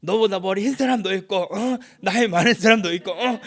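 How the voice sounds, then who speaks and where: A man's voice: high voice, a little fast, gravelly, voice pushed up. A man playing a boastful, scornful man taunting a suffering friend with rhetorical challenges.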